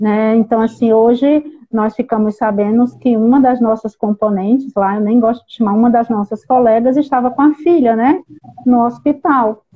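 Fairly even intonation and a moderate pace from a woman pitched fairly high. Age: 50s. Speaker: health worker and sewing entrepreneur; interview guest. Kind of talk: testimony in online interview. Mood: earnest, emotional, motivational. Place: home room. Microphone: audio cutting out; video call.

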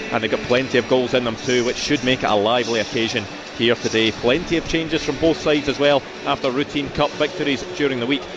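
A man at a very fast pace, very even in loudness, with a dry sound with no echo and noticeable background noise. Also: ordinary pitch variation. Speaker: radio sports reporter. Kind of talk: sports radio team news report. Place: stadium.

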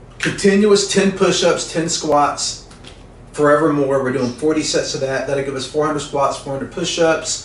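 At a fairly slow pace, a man talks in audible room echo with light background noise. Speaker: workout host. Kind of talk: casual workout explanation. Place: home room.

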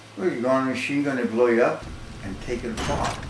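A man speaks over noticeable background noise. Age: 60s. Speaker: gamer. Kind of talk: live gameplay commentary. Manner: excited. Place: home room. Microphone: camera far.

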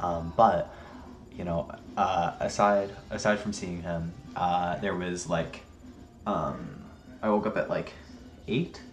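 Over light background noise, a man speaks with a very deep, low pitch and ordinary pitch variation. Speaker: vlogger. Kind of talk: casual vlog chat. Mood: relaxed, laughs often. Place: home room. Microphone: webcam.

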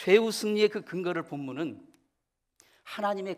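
The recording is very clean, its background silent. The speaker is a man. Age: 60s. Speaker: pastor. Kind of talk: sermon.

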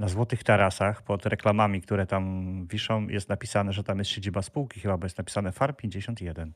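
Against a quiet background, a man with a plain, everyday voice speaks fairly quickly in a fairly low pitch, with fairly even intonation and hardly any pauses. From Poland. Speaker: gaming streamer. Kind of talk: casual chat. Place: home room. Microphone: studio mic.

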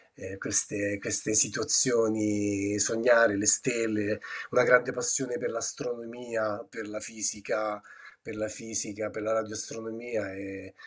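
Against a quiet background, a man with an ordinary speaking voice talks fairly low at a moderate pace. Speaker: music video maker; guest. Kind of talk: interview. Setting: video call. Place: home room. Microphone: webcam.

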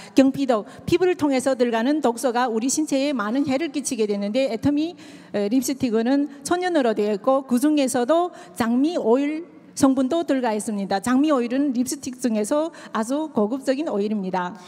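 Pitch rises and falls in an ordinary way as the words come at a fairly quick clip. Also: woman. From China. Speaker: network marketing presenter; presenter. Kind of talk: product presentation. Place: hall. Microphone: handheld.

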